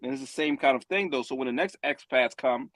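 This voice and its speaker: A man chatting casually as a podcast panelist, telling stories with animated, emphatic delivery. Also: medium pitch, a little fast, dry recording. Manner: animated, emphatic storytelling with rising exclamations. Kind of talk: casual opinionated chat.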